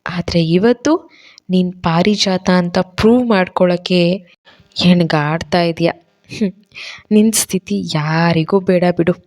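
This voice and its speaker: A sarcastic inner conscience, put on by a woman narrator, taunting and teasing in a raised, needling voice. She mocks with a slightly low, soft delivery in an audio storybook.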